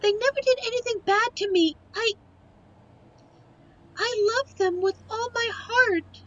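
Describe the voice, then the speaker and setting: Audio roleplay heroine: young succubus daughter, played by a woman, piping high voice, pleading yet defiant, muffled lo-fi sound. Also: a little slow, a bit bright. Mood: earnest, tender. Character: sweet, defiant young succubus daughter protecting her lover. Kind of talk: scripted audio roleplay acting.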